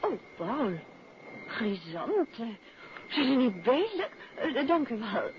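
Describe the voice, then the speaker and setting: An actress playing a cheerful, chatty wife of a detective in a 1950s radio drama, teasing and affectionate. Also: female voice, on the high side, sing-song, slow. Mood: playful delight. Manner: playful, exclaiming, affectionate. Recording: dull, noisy old radio recording.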